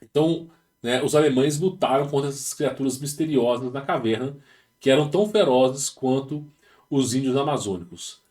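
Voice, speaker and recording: Here the channel host, a man with a Brazilian Portuguese accent, casually reads and comments on a text, often wandering into slang-filled asides and restarting himself. He speaks at a normal speed in a medium, slightly mellow voice, recorded at home on rural internet.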